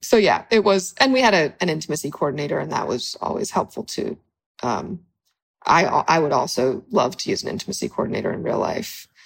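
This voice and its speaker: Speaking at a fairly quick pace, a woman with an American accent uses a medium-pitched voice with vocal fry and very wide pitch swings. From Brooklyn, New York. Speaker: actor and filmmaker. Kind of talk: casual chat.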